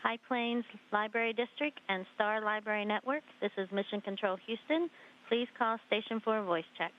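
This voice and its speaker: A woman's voice: mid-range voice, moderate pace, lo-fi sound. A woman acting as mission control communicator, making formal, clipped radio calls over a distant space radio loop. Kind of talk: formal radio call procedure.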